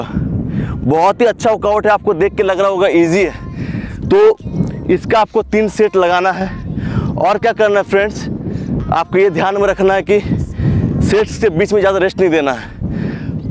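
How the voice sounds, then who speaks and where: A man's voice: high voice, moderate pace, long pauses, background noise. A young man coaching a bodyweight chest workout, giving short commands while counting reps, recorded outdoors in an open field. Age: young adult. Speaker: fitness coach. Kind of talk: workout instruction.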